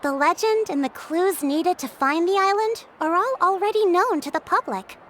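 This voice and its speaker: A woman playing a confident, courteous tribal chief in a video game, speaking in a measured, formal storytelling manner. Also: extremely high pitch, lively intonation, noisy background. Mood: composed, businesslike. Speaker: game character, tribe chief. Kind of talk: scripted video game dialogue.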